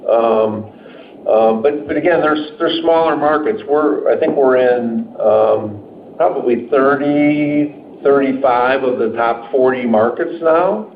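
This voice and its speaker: A man's voice: mid-range voice, takes it slowly. A man speaking as a company executive, answering off the cuff on an earnings call in a conversational, stop-and-start way. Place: indoor room on a conference call. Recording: roomy muffled conference call, noisy.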